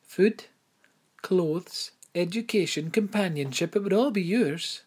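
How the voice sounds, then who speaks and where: A man putting on a prim, high-voiced headmistress. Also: slow pace, a little mellow, husky, heavily acted. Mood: persuasive. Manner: genteel, coaxing, fussy. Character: prim genteel headmistress, woman, persuasive and sympathetic. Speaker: school headmistress.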